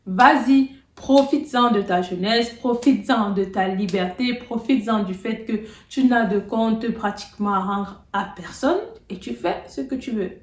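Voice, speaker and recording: A woman's voice: fairly high pitch, normal speed, hardly any pauses, a little hiss or hum. A young adult woman giving casual advice in a vlog, chatty and full of fillers and restarts. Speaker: video blogger. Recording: roomy, distant from the mic.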